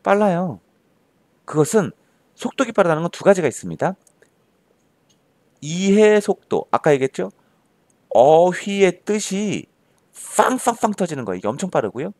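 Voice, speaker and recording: Emphatic, lively male tutor lecturing. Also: sits high, moderate pace, long pauses, no room sound. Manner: emphatic, asks students rhetorical questions. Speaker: Korean-language tutor. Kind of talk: classroom lecture.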